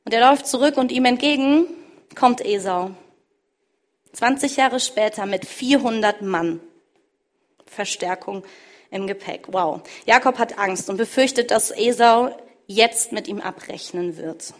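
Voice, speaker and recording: A woman's voice: a little high, measured pace. Dramatic woman preacher. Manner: emphatic, dramatic swings between loud and hushed. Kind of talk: sermon retelling a scripture story.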